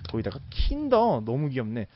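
A man doing casual commentary as a game streamer, excitable and breaking into sudden loud shouts. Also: medium pitch, normal speed, lo-fi sound, a little hiss or hum.

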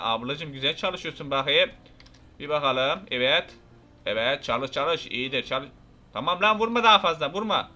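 A young gameplay YouTuber with a slightly high, sharp-toned voice offers casual, rowdy commentary. He chats with viewers and mock-threatens game characters while faint music plays behind him.

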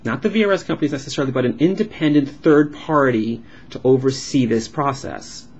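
A man voicing a signed vlog as an interpreter, explaining in halting phrases with uneven pauses. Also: mid-range voice, darkish tone. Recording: dull lo-fi sound with clear background noise.

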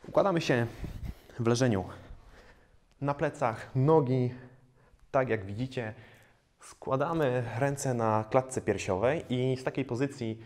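A man in his thirties, a fitness trainer, calmly explaining core exercises with frequent hesitation fillers, recorded on a lapel mic in a bare indoor studio. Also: medium pitch, measured pace, long pauses. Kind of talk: instructional exercise video.

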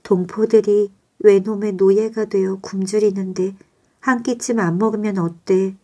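A woman's voice: medium pitch, fairly even intonation, unhurried, mellow, lightly acted. Woman voicing a resolute teenage girl patriot. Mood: earnest. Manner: earnest, resolute.

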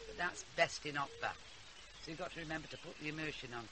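A woman's voice: low voice, fast talker, background noise, lightly acted. An actress playing a blunt, teasing old grandmother in a radio drama. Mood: dry, blunt. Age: older.

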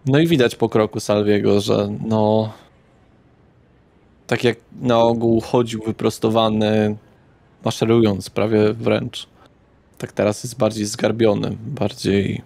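A man's voice: lowish voice, flat delivery, takes it slowly, creaky, a little mellow, dry recording. A man narrating a tabletop role-playing game as the game master, describing scenes and addressing players.

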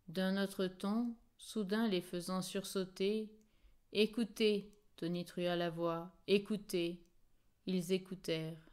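Woman narrator, audiobook reading, expressive, very unhurried, clear resonant tone. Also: on the low side. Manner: slow, measured and expressive. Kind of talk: scripted literary narration.

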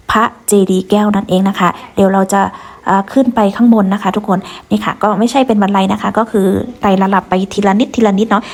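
A woman from Kengtung hosting a vlog, chatting to viewers as she walks them around a hilltop pagoda outdoors. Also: medium pitch. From Kengtung, Shan State, Myanmar. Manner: chatty, addresses viewers, many soft polite particles. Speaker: vlog host. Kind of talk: walking tour narration.

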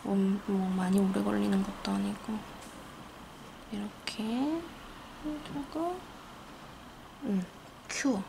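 A woman with a Gyeongsang Korean accent gives a casual hands-on nail tutorial. Her voice sits at a middle pitch with plenty of creak. A light noise runs behind her in the studio. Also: takes it slowly, long pauses. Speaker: nail art instructor. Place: indoor nail art studio. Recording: noisy room, steady background noise.

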